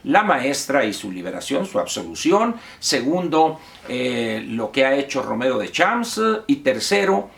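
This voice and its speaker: A man's voice: medium pitch, very animated, unhurried, gravelly, fairly bright tone. A man with a Mexican accent giving a lecturing monologue of commentary, posing rhetorical questions to the viewer. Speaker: political commentator.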